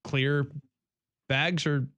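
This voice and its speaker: A man's voice: on the high side, fairly even intonation, drawn-out words, fairly bright tone, clean tone, dry recording. A man co-hosting a sports radio show, reading an ad and joking about it in a self-deprecating way. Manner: self-deprecating, laughing banter. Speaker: radio co-host. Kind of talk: sports radio talk and live ad read. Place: radio studio. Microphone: studio microphone.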